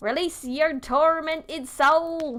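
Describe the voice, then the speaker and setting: Doing a put-on character voice in a Southern US accent, a woman speaks at an extremely high pitch with ordinary pitch variation. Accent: Southern American. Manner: dramatic, fierce.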